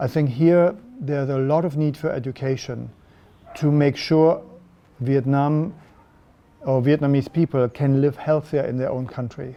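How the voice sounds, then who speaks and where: A man with a fairly high pitch speaks at a moderate pace with fairly even intonation and long, frequent pauses. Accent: German. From Germany. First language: German. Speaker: detox retreat organizer. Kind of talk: interview.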